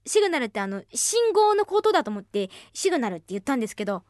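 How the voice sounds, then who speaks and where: A woman with a very high, lively voice hosts a casual radio show, reading listener mail and chatting in a bubbly way with frequent laughs. Her voice swoops up and down. The sound is dry and close, with no room echo. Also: fast.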